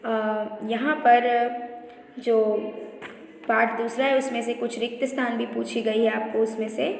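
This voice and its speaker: A woman's voice: a little high, level tone, unhurried, creaky. A woman teacher going through a school revision lesson, explaining step by step and listing word pairs. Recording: echoey room reverb.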